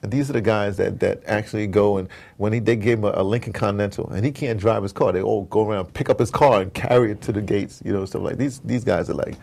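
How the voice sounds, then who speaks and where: A middle-aged man being interviewed, telling stories in a casual, animated way, repeating words and wandering off point. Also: fairly low pitch, fast talker, creaky, hardly any pauses. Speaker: interviewed audio drama producer. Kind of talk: casual, digressive interview talk. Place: at his home base in New York.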